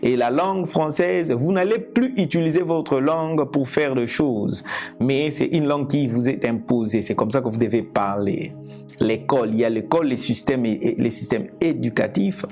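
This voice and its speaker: A man from Congo whose first language is Lingala, preaching a teaching sermon in a slow, deliberate way, repeating and restarting phrases. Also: mid-range voice, darkish tone, soft background music. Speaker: evangelist preacher. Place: indoors, seated.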